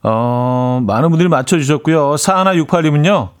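A male radio host talks in a relaxed, chatty way as he reads out listener messages. He laughs often and slips into playful imitations. The sound is clean and close, from a studio microphone. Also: fairly high pitch, a little fast, clear, resonant tone. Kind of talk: casual radio chat reading listener messages.

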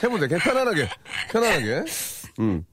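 Fast, teasing male live show host. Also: a little high, a crowd in the background. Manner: teasing, joking, fast and animated. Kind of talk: bantering live broadcast host.

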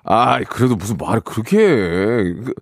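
A man's voice: fairly low pitch, sing-song, normal speed, dry recording, clean studio sound. A middle-aged man hosting a radio show, reading listener messages and joking about them with mock outrage in a casual chat.

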